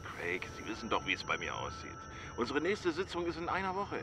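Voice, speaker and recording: A man plays a dismissive therapist in a radio play. He hems and placates in a mid-range, animated voice, with music clearly audible behind him. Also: mid-range voice, a little fast. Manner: patronising, hemming. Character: evasive, dismissive male therapist. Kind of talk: German audio drama acting.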